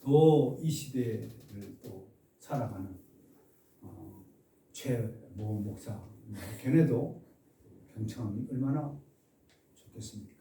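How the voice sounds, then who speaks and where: Emphatic preacher in an echoey church. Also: male voice, fairly low pitch, a little hiss or hum. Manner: emphatic, rising to loud exclamations on key words; asks the congregation questions and has them repeat phrases. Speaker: pastor. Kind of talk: expository sermon. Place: church sanctuary. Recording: echoey church room, mic at a distance.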